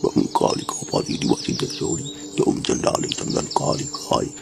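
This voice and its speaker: A man playing a village holy man who chants mantras in a slow, gravelly incantation. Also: very noisy, close to an everyday voice. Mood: solemn, trance-like.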